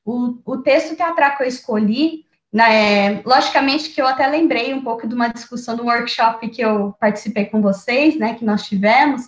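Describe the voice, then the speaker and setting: Speaking at a moderate pace with few pauses, this woman has a fairly high voice; the audio is roomy and the highs are cut off. She's a Brazilian teacher and researcher interviewed as a guest, talking thoughtfully about her teaching approach while often using fillers and restarting sentences.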